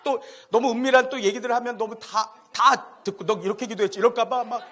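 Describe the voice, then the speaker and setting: A middle-aged man preaching a sermon as a pastor, telling a personal story with a loud voice, swinging between loud exclamations and hushed asides. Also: very high-pitched, brisk. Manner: animated, swings from loud to hushed, laughing at himself. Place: church sanctuary.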